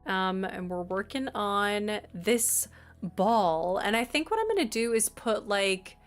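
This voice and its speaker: A woman's voice: mid-range voice, lively intonation, slow pace, faint music behind. A woman chatting casually on a live stream, giggly and talkative as she greets and answers her chat.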